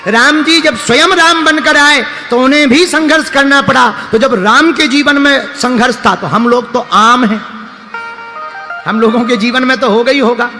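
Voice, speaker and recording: A man's voice: very high voice, moderate pace, bright, forceful tone, long reverb tail, soft background music. A man preaching a devotional sermon to a large gathering, telling jokey stories and singing couplets. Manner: storytelling, jokey, with sung couplets. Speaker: religious preacher. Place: large event venue with crowd.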